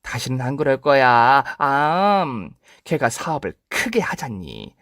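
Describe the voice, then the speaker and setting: A man's voice: mid-range voice, sing-song, unhurried, a bit bright, no room sound, clean studio sound, pitched above the performer's own voice. A man voicing a two-faced older mother-in-law who wheedles and sighs in a dialect-tinged drawl. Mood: coaxing.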